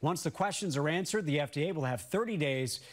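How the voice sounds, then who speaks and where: A man's voice: a little high, animated, brisk. A man anchoring a morning newscast, reading scripted stories. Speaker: news anchor.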